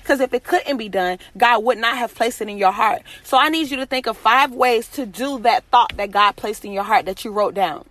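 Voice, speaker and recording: A woman's voice: on the high side, moderate pace, hardly any pauses, a bit bright, no room sound. A woman hosting a podcast, giving an emphatic, exhorting motivational faith talk and repeating phrases for emphasis.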